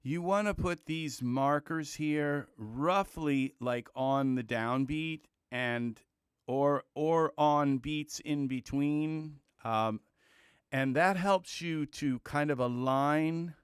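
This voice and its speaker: Tutorial host, male, unhurried and easygoing, smooth clear voice, dry close mic, guitar track underneath. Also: on the high side, no room sound. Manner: thinking aloud, loose and chatty, with sound-word beats. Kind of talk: screen-recorded software tutorial.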